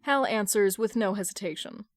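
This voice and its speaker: A woman reading fan fiction aloud in an expressive, colloquial storytelling style. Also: medium pitch, normal speed, no room sound, studio quality.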